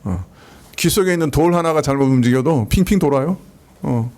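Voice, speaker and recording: A man delivers a Sunday sermon from the pulpit of a church. He preaches in a relaxed, conversational way and lets the ends of his phrases fall away quietly. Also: a little high. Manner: conversational preaching with soft laughs and drawn-out endings. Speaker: pastor. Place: church sanctuary.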